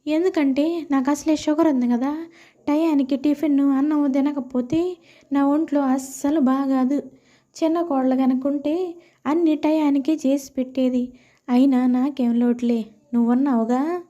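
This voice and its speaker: Woman playing domineering old mother-in-law, high voice, bitter, taunting, animated storybook tale, dull recording. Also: measured pace. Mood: demanding. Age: older. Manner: sharp-tongued, taunting.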